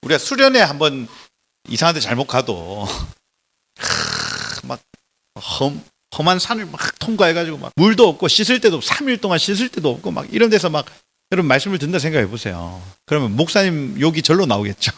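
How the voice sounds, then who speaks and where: A man delivering a sermon lecture in a church, his voice fairly high and bright. He talks in an animated, emphatic way, with wide swings in pitch, jumping from loud exclamations to soft trailing drops. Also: a little fast, creaky. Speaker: pastor giving a Bible lecture.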